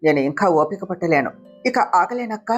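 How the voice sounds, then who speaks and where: Storybook figure: scheming, demanding young woman, read by a woman, whiny and husky. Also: on the low side, lively intonation, normal speed, lo-fi sound, soft background music. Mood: whining.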